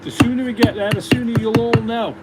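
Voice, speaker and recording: A man's voice: very high-pitched, fairly even intonation, fairly quick, loud music behind the voice, rough recording. A man with a Derbyshire accent chatting casually on a livestream, thanking viewers and reading out their names. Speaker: livestreaming stone carver. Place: workshop.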